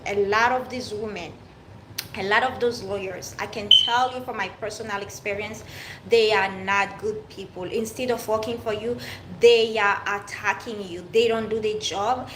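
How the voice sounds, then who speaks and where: A woman's voice: on the high side, a bit bright, roomy sound, a little hiss or hum, poor audio. A woman from Haiti, raised in France, speaking with a French-tinged accent in an unscripted personal monologue to her viewers, emphatic and repetitive with frequent restarts. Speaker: vlogger.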